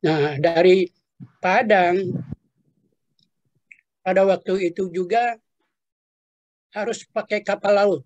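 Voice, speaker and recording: An older man, a retired professor, telling his life story in an unhurried interview, with fillers and trailing asides. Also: high voice, darkish tone, lo-fi sound, a little hiss or hum.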